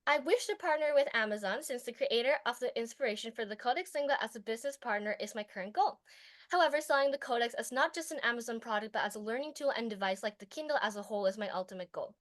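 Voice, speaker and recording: A young teenage girl with a fairly high voice speaks to a competition panel. She recites her prepared pitch, then fields questions with earnest pauses and fillers. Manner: delivers a memorized pitch, then answers judges with hesitant fillers. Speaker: student presenter.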